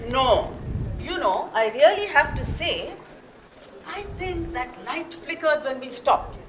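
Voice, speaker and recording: Woman acting an animated, assertive woman. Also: high-pitched, slow pace, full character voice, poor audio. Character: assertive, restless woman who argues back. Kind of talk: staged play reading. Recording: live stage with background noise.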